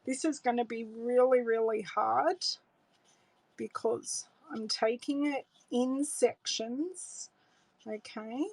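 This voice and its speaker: This middle-aged Australian woman speaks a little high and at a slow pace, the poor audio having no echo. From an indoor home craft room she hosts a live craft tutorial on card making, greeting viewers and chatting in a relaxed way as she thinks aloud, her hands on the desk under an overhead camera.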